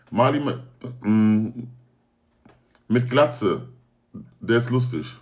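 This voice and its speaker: A young man talking casually to viewers on a livestream, slangy and joking, often swearing oaths. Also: mid-range voice. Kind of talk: casual stream chat.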